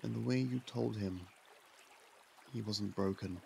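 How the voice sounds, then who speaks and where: A man voicing a young royal prince in an ASMR roleplay, candid and persuasive, who confides in a soft, hushed way. His voice sits fairly low and is heavily gravelly with vocal fry. A faint hiss of noise lies underneath. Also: measured pace. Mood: gentle, confiding. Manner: soft-spoken, confiding, with some hushed whispers. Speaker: voice actor.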